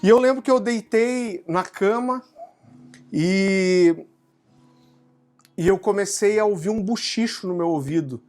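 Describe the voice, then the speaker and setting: Animated Brazilian preacher telling a story. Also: male voice, high voice, measured pace, long pauses. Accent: Brazilian Portuguese. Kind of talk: sermon testimony. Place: home living room. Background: faint guitar music.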